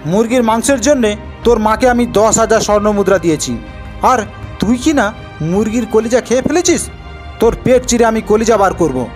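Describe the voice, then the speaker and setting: A woman's voice: on the high side, moderate pace, darkish tone, faint music behind, voice pushed up, natural voice. A woman voicing a ruthless male jeweller, the villain of a cartoon folk tale, emphatic and threatening.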